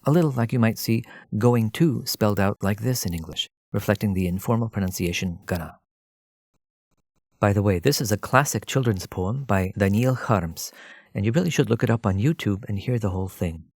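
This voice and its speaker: Male tutor for scripted language lesson, gravelly low register, measured and explanatory. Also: darkish tone, no room sound, clean studio sound. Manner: measured, explanatory, addresses listener directly. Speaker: language teacher.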